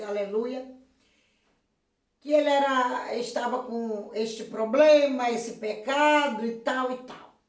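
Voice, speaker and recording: A hoarse woman pastor from Brazil giving a slow, emphatic sermon-style video message, with frequent praise interjections. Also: fairly high pitch. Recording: echoey room, voice from a distance.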